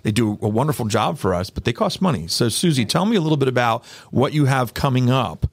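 Guy hosting a casual interview, lively up and down voice, jokey, dry close sound. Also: medium pitch, slightly rough, dry recording. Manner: jokey, quick to banter. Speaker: interview show host. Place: studio.

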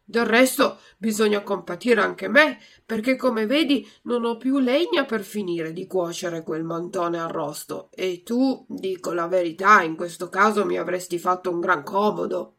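A woman doing a gruff, loud puppet master. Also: medium pitch, measured pace, few pauses. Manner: loud, barking commands. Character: gruff bearded male puppet master, stern but soft-hearted.

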